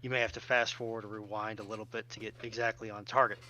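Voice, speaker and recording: A man explaining technical updates as a stream moderator over a voice call, in measured, formal wording. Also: lowish voice, level tone, pushed and bright, slight background noise. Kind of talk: explanatory announcement. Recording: dull lo-fi voice-call audio.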